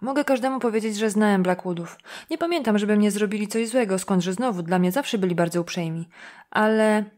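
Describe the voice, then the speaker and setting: A woman voicing a loud, mocking small-town man who drawls and needles with taunting jokes, pitched up and pushed hard. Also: brisk, natural voice. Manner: drawling, taunting, repeats himself with laughs.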